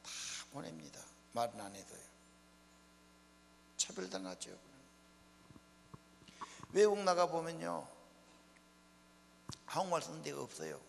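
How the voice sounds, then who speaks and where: This older pastor from Honam has a high, creaky voice and is very animated, speaking a little slowly with long pauses. His folksy sermon mixes plain speech with rhetorical questions to the congregation. The church hall adds reverb, with mains hum in the background.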